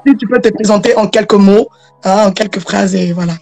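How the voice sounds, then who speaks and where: A woman's voice: medium pitch, a little fast. Woman host of a faith live chat, video call, faint music, lots of amens. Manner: warm greetings and frequent amens. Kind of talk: casual live-stream chat.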